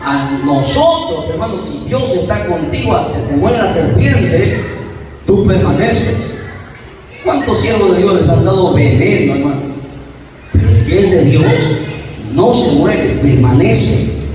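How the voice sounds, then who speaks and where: A man preaching an interactive sermon, emphatic and swinging between loud and soft, who questions the congregation and calls on members by name. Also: high-pitched, expressive, a little slow. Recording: echoey hall, far from the mic, faint noise.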